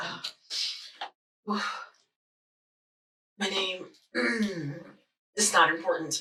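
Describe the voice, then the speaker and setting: In a raspy put-on character voice at middle pitch, the speaker goes at a very slow pace with long, frequent pauses. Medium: actual play.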